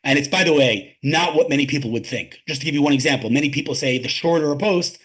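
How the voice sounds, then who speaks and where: A man's voice: fairly high pitch, quick pace, a bit bright, slightly rough. A man speaking emphatically as a guest on an interview podcast, often repeating words as he starts a sentence. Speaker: interview guest, tech advisor. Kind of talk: conversational interview.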